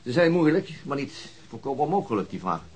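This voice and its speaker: An actor playing a methodical, weary police detective in a radio drama, speaking in a dry, deliberate, sometimes hesitant way. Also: male voice, mid-range voice, sing-song, darkish tone, husky. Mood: dry, thoughtful. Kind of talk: naturalistic radio drama dialogue.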